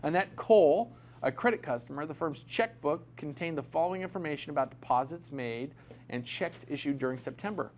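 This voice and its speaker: A male instructor lectures an accounting class in a classroom, his voice sitting a little high for a man. He keeps it loose and chatty, cracking small jokes and tossing questions out to the students. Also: fairly quick, a little hiss or hum.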